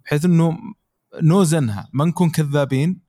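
Guy on a podcast, quick but keeps stalling and restarting. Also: fairly high pitch, mellow. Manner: hesitant, many fillers and restarts. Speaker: podcast co-host. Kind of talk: casual podcast discussion.

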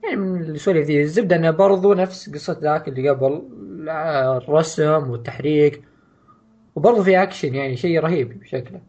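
Husky, fast-talking man. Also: on the high side, darkish tone, highs cut off. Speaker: podcast co-host. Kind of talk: casual podcast chat.

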